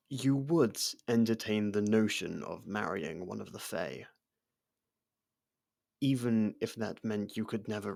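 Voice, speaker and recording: A man's voice: lowish voice, creaky, dry recording, clean studio sound. A man playing a devoted, worried royal servant in an intimate fantasy roleplay, speaking formally and earnestly with careful deference. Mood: apologetic, concerned.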